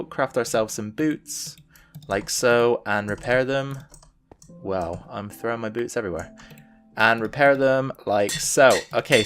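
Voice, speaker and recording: A man giving casual gameplay commentary as a let's play host, thinking aloud and explaining each step as he goes. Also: mid-range voice.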